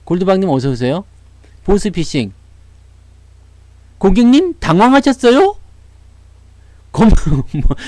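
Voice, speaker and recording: A man's voice: sits high, a little mellow, no echo. A man who speaks with a Jeolla dialect, hosting a casual stock market livestream, greeting viewers and laughing often. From Seoul, South Korea.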